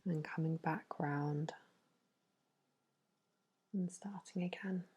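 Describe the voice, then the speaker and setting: A woman whispering a soothing, unhurried ASMR massage narration in a hushed, breathy bedtime voice. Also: sits low, fairly even intonation. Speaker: facial massage therapist.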